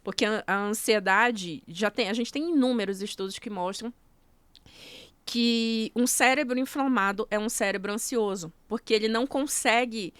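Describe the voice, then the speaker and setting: A woman's voice: fairly high pitch, moderate pace, a bit bright, clean tone, no room sound. Woman explaining step by step. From Brazil. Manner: explanatory, walks through steps one by one. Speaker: guest, nutrition coach. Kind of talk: casual podcast interview.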